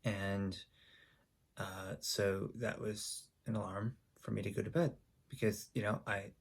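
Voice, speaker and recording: A man recounts a personal story for his video channel. His voice sits low with a gravelly texture, and he speaks in a flat, even tone. His delivery is halting, full of ums and restarts. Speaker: YouTuber.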